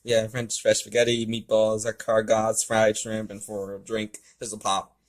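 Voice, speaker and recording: A man's voice: on the low side, monotone, normal speed, close to an everyday voice. A man voicing a polite, insistent restaurant waiter who coaxes his customer in an amateur story reading. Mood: formal. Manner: polite, coaxing.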